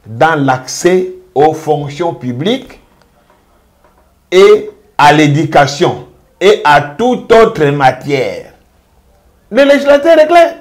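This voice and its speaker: A man speaking as a jurist, making a measured, emphatic legal argument and driving points home by repeating them. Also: on the high side, sing-song. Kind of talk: interview commentary.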